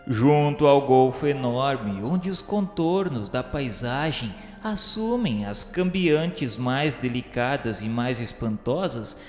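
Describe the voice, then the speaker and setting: Brazilian male narrator for a solemn radio drama, mid-pitched and unhurried, formal delivery in a reverberant space. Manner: formal, declamatory, measured. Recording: echoey long reverb with background music. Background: instrumental music.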